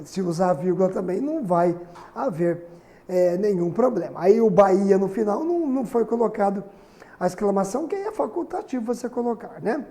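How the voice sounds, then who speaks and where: A middle-aged Brazilian man with a high, mellow voice teaches a recorded grammar lesson. Chatty throughout, he writes on the board as he explains and keeps checking in with the class, constantly asking "né?" and "certinho?"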